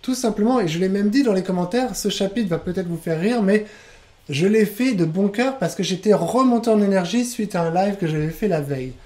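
A man's voice: high voice, fairly quick, darkish tone. A man hosting a live online webinar as a trainer, talking enthusiastically and rambling with restarts.

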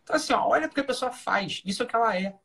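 Casting: Brazilian-accented man, husky, very fast talker, blunt advice-giver who hammers points with repeats and rhetorical questions. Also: very high voice, lively intonation, sharp tone. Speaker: live-talk host giving relationship advice. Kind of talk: informal opinionated talk.

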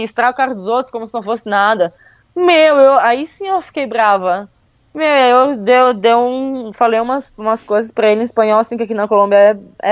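Lively woman telling a story. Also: sits high, dry recording, lo-fi sound. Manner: lively, with many fillers like "tipo" and "meu". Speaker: guest telling a travel story. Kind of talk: casual spoken storytelling.

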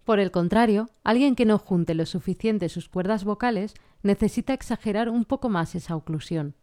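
A woman vocal coach explaining singing technique in a clear, patient way. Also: medium pitch, moderate pace, warm tone. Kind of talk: singing lesson with sung vocal examples.

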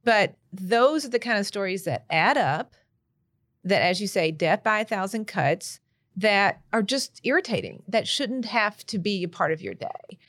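A woman hosts a podcast, answering in a supportive, reflective manner. Her voice is mid-pitched and sounds close and dry. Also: expressive, a little slow, a bit bright, no room sound. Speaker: podcast host. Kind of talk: podcast conversation.

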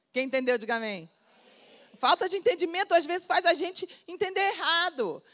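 Animated high-voiced Brazilian woman preaching. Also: moderate pace, noisy background. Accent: Brazilian Portuguese. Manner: emphatic, repetitive, animated preaching. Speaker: pastor. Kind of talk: sermon.

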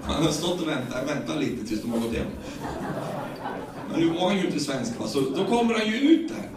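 A Swedish-accented man preaches a sermon in a loud, echoing room, heard from some distance. His voice sits a little high for a man, and he retells the scripture in lively, everyday language, stumbling over repeated words as he goes. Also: noisy background. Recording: echoey, distant room sound.

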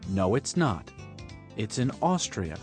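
Guy doing a language drill voice, slow and clear, bouncy pitch, soft music behind. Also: very animated. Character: male co-host Max. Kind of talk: scripted language-lesson drill.

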